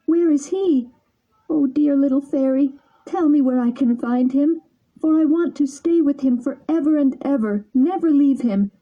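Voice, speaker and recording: Lady doing a wooden puppet boy, high and whiny and pleading, kinda muffled lo-fi sound. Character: sobbing wooden boy puppet, desperate and impulsive. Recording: dull lo-fi recording.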